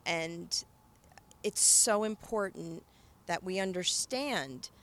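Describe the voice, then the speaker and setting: A woman interviewer with a gravelly, fry-laden voice responds sincerely and supportively. She often stalls with hesitant fillers, and faint ambient noise sits behind her voice. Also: lowish voice, takes it slowly, a bit bright. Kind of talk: casual interview conversation.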